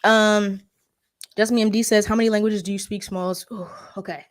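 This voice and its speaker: A woman from the Bay Area with an African American Vernacular English accent, hosting a casual livestream and chatting with viewers, full of "like" fillers and animated asides. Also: mid-range voice, normal speed, no room sound, clean studio sound. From California Bay Area. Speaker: livestream host. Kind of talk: casual livestream chat, reading viewer comments.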